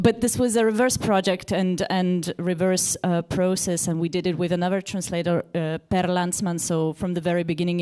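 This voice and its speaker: Woman, translator, lowish voice, measured, thoughtful. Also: darkish tone. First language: Lithuanian. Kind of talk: panel discussion.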